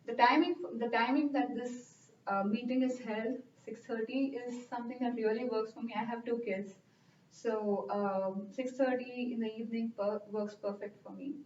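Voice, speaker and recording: A woman in her thirties from India with an Indian accent, earnestly answering interview questions at a careful, steady pace. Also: on the high side, moderate pace, slight background noise. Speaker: club member interviewee. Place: club meeting room. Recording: roomy, distant, dull sound.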